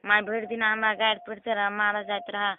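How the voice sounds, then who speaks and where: A woman's voice: mid-range voice, completely flat delivery, brisk. A woman with a Maithili accent chatting casually on a phone call, recounting things by quoting what people said. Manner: recounts household quarrels by quoting dialogue. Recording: tinny narrowband phone line, some noise.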